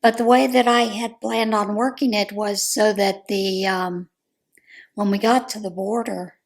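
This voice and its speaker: A hoarse American woman chatting casually in a crochet vlog, rambling a little with frequent ums. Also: mid-range voice, steady tone, unhurried. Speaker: crochet vlogger. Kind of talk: casual chat.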